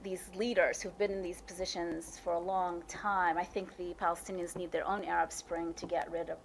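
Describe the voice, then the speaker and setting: A woman answering audience questions after a talk, talking quickly with many restarts and "like". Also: on the low side, creaky, a bit bright, a little hiss or hum, low-quality recording. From United States. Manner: talks fast, with frequent restarts and "like". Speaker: guest speaker. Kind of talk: lecture Q&A answers. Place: lecture room.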